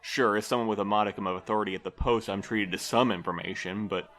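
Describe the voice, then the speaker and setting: A man's voice: lowish voice, fairly even intonation, fast talker, fairly bright tone. A man playing a harried, earnest station manager in an audio drama, formal and wordy in his delivery. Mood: frustrated, earnest.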